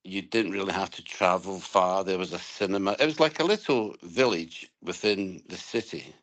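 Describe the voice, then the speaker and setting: A man from Scotland speaks with a Glaswegian accent in a fairly low voice. He is an interview guest who talks conversationally and unfolds his answers as stories. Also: moderate pace, fairly bright tone, poor audio. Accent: Glaswegian Scottish. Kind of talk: conversational storytelling about home and past.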